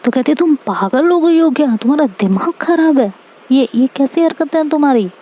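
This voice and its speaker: A woman putting on a sharp-tongued, scolding young ex-lover. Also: sits high, animated, pitched above the performer's own voice. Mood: indignant. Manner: scolding, rapid rhetorical questions.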